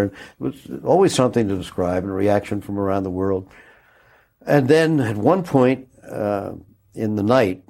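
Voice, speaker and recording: An older man recalling a day he covered on air, speaking haltingly with many restarts and a moved, choked-up tone. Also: fairly low pitch, dark tone. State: moved, choking up. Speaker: interviewee recalling a broadcast. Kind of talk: reflective interview recollection.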